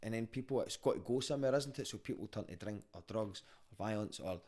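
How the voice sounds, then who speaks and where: A man's voice: fairly low pitch, fast talker, darkish tone. A man with a Glaswegian street Scottish accent, chatting casually and telling stories in a candid, sweary, conversational way. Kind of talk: casual podcast chat and storytelling.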